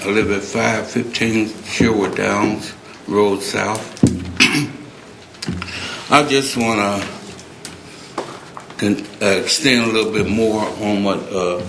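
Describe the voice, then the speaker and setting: A man addresses a city council from the podium, talking very slowly and earnestly, often restarting his sentences. He sounds emotional. The council chamber gives his voice a roomy echo with a faint hiss behind it. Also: lowish voice. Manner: halting, earnest, many restarts. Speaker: public commenter at city council. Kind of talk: public comment, unscripted plea.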